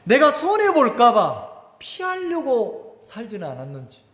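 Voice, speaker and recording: A man's voice: very high-pitched, huge pitch swings, unhurried, fairly bright tone. A pastor preaching a sermon, firing rhetorical questions at his congregation with emphatic delivery. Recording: echoey church hall.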